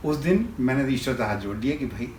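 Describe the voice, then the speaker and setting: A man's voice: medium pitch, lively intonation, fast, darkish tone, far from the mic, slight background noise. A man who is a poet and novelist, answering interview questions in a rambling, repetitive storytelling way, with many restarts. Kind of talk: conversational interview. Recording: roomy echo with faint ambience.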